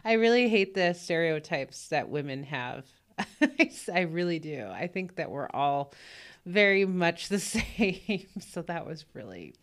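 A woman's voice: very animated, measured pace. A woman, telling a story in casual podcast chat with lots of fillers and laughs. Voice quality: low voice, morning voice. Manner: rambling, frequent fillers and laughs. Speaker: podcast host. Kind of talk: casual spoken anecdote.

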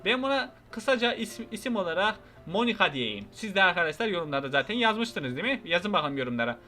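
A high-pitched, bright-voiced man rattling off excitable gameplay commentary. He jokes and shouts at the on-screen characters as he plays, with faint game music running underneath. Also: fast talker. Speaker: gaming YouTuber.

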